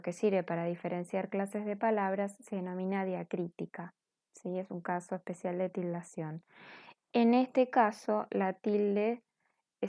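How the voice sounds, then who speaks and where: A woman's voice: mid-range voice, a little mellow, dry recording. A woman teacher going over corrected grammar exercises in a patient, explanatory way, often checking in with her students. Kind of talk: recorded class correction lesson.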